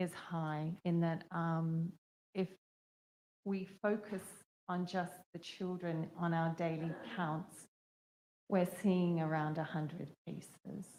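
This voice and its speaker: Soft-spoken and very slow, a woman talks at a fairly low pitch with fairly even intonation. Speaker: public health official. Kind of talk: public meeting presentation. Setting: public meeting with audience. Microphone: too quiet, not speaking into mic.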